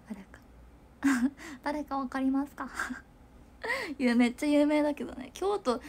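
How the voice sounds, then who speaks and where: A woman's voice: fairly high pitch, a little mellow, slight background noise. A young woman chatting casually to viewers on a livestream, giggling and rambling with lots of fillers. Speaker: idol livestreamer.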